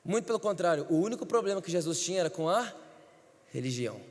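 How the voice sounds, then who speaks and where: A man's voice: high-pitched, big pitch swings, fast talker. A man, a pastor, preaching an emphatic storytelling sermon in a church. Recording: church hall reverb.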